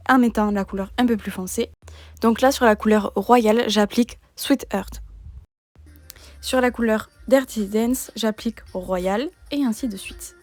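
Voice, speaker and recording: A woman calmly narrating a step-by-step nail art tutorial as a voice-over, in a plain explaining tone. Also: a little high, dry recording, clean studio sound.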